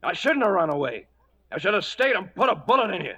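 An actor playing a bitter, defiant cowhand deserter in a western radio drama, blunt and accusing. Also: male voice, high-pitched, sing-song, fast talker, fairly bright tone, breathy edge, full character voice. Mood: angry, defiant. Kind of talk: 1940s-50s western radio drama acting. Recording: muffled vintage radio recording.

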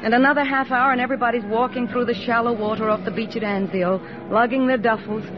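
An actress playing an eager young army nurse in a 1940s radio drama, earnest and soft-spoken, on a dull old radio recording. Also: female voice, fairly high pitch, steady tone, fast talker, music in the background, close to an everyday voice. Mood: narrating.

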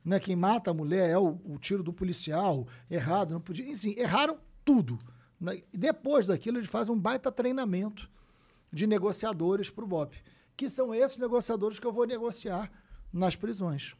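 A man, telling stories as a guest in a casual conversation, animated and full of swearing. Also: sits high, moderate pace. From Brazil. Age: 50s. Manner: animated storyteller, frequent swearing and "né?" tags.

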